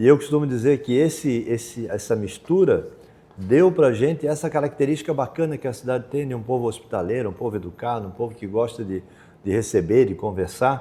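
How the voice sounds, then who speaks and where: A man speaks fairly quickly at a medium pitch, somewhat breathy and with a dark, mellow tone. His intonation is lively. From Florianópolis, Santa Catarina, southern Brazil. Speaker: mayor and businessman. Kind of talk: interview. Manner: natural, conversational.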